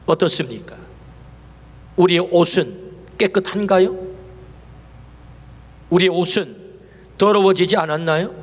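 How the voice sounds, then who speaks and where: A male pastor preaching a Sunday sermon, asking the congregation question after question. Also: sits high. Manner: asks the congregation many rhetorical questions. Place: church sanctuary. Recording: long church hall reverb.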